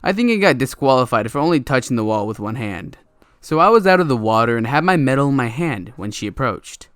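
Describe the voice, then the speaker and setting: A man's voice: medium pitch, sing-song, a little fast, smooth, no room sound, studio quality. A young man reading online stories aloud in a casual way, with laughing, stumbling asides. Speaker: reddit story narrator. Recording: soft music bed under voice. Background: quiet background music.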